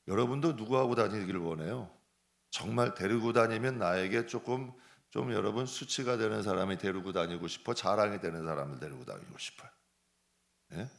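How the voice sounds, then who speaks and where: Gravelly Korean pastor preaching with swings. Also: male voice, medium pitch. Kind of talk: sermon. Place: church sanctuary.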